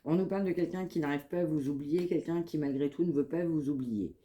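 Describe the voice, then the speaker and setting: A woman with a head cold giving a spoken psychic reading to her viewers, in calm, measured, repetitive phrasing. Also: sits low. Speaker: medium giving a card reading.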